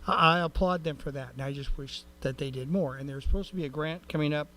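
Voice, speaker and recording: A man's voice: on the high side, quick pace, pushed and bright. Man, city council member, folksy, rambling, raised voice. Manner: rambling, folksy, with many fillers and restarts. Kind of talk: council meeting report. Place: council chamber.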